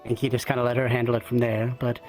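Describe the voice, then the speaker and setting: Male roleplayer, mid-range voice, courteous and tentative, talking in character over soft music. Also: mid-range voice, little pitch movement, very fast, low-quality recording. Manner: hesitant, polite, thoughtful phrasing. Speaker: roleplay player. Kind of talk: improvised in-character fantasy roleplay chat. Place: online virtual reality session.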